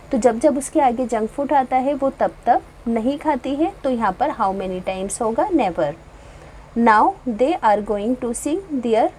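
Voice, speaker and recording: A woman teacher with an Indian accent, explaining homework answers and reading English lines slowly before explaining them in Hindi. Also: on the high side, dark tone, a little hiss or hum, poor audio. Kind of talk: homework walkthrough lesson.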